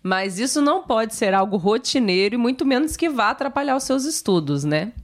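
A woman's voice: fairly high pitch, animated, brisk. A woman with a Brazilian accent co-hosting an educational live chat, speaking casually and agreeably and often ending phrases with a small check for agreement. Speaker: co-host of a Portuguese-learning live show. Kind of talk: casual conversational commentary.

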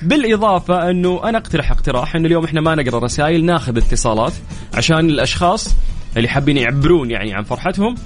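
A man hosting a radio call-in show, fast and upbeat, laughing often. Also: fairly high pitch, animated, soft background music. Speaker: radio host.

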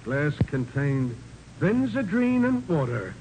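A grumbling American police sergeant, pitched a little high and swooping with exasperation. He blusters sarcastically in old radio crime drama style, over faint recording noise. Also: very animated. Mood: gruff, businesslike. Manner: blustery, sarcastic, halting when flustered. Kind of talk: 1940s radio acting.

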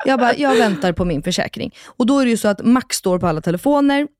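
A woman, co-hosting a casual podcast and telling stories in an animated way, acting out quotes and swearing casually. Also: on the high side, no room sound. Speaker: podcast co-host. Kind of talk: casual chat.

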